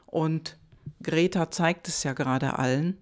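A woman's voice: deep voice, unhurried. A woman hosting her own podcast, talking directly to the listener in a chatty, reflective monologue full of rhetorical questions. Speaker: podcast host.

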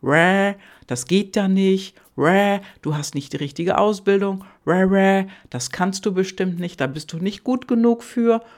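A coach putting on a loud, quacking inner critic. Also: mid-range voice, unhurried, few pauses, pitched above the performer's own voice, close to an everyday voice. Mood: scolding.

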